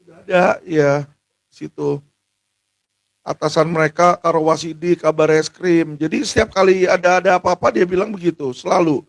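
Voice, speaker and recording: A man, a lawyer speaking out in an impassioned monologue, indignant and at times shouting. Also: on the high side, fairly even intonation, normal speed, gravelly, no echo. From Indonesia. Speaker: lawyer speaking out on legal injustice.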